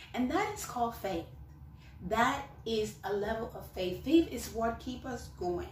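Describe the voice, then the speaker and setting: A fairly slow, animated delivery with big swings in loudness, audible room echo and noticeable background noise. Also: woman. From Liberia, West Africa. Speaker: online show host and nurse. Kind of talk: casual motivational monologue.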